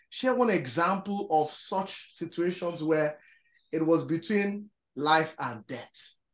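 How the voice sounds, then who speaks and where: Speaking very slowly in a high voice, a man is heard with audible room echo. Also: ordinary pitch variation. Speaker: program moderator. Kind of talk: panel discussion. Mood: warm, earnest, smiling. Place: studio.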